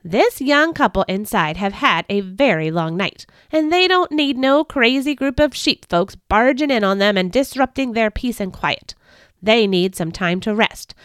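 A woman reading a storybook, voicing a bossy white-haired old woman who scolds loudly in a folksy drawl. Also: a little high, animated, a little slow, clean tone, no echo, studio quality. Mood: scolding.

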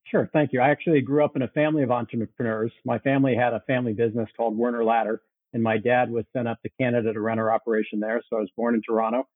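A man in his sixties who grew up in Chicago, answering interview questions with steady, orderly storytelling. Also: mid-range voice, racing, few pauses, no room sound. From Chicago, USA. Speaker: guest cofounder. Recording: tinny phone-like line, dry.

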